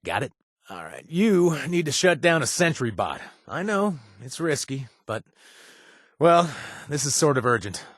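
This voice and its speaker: A man's voice: fairly high pitch, sing-song, unhurried, dry recording, studio quality. An actor playing a chatty, jittery man handing out jobs in a video game, rambling with joking asides and squeamish about bugs. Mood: offhand briefing. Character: jittery, wisecracking male wasteland quest-giver, squeamish. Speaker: companion character in a video game. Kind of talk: studio game voice acting.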